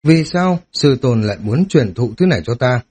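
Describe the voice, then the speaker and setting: A man voicing a young male cultivator who murmurs his thoughts in a measured, brooding way, read in an audiobook. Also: mid-range voice, lively intonation, a little mellow, breathy edge. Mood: doubtful. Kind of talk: audiobook character reading.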